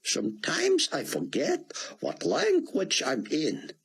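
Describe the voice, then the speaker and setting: A man voicing an elderly rabbi scholar, speaking in a hushed, trembling voice that rises high in awe. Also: huge pitch swings, slow, vocal fry, husky, exaggerated voice. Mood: awed. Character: elderly male rabbi scholar, awed and fervent.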